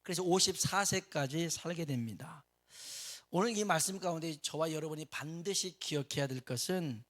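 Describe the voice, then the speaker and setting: A middle-aged man preaching a sermon as pastor, telling stories in a lively way and acting out the people in them. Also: on the high side. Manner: lively storytelling, acting out characters. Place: church sanctuary.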